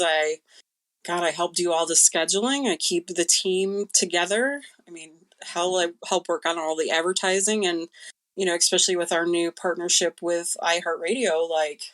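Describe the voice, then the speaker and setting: A woman's voice: lowish voice, fairly bright tone. A woman chatting casually as an interview guest, informal, candid and emphatic. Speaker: creative director of a podcast, guest.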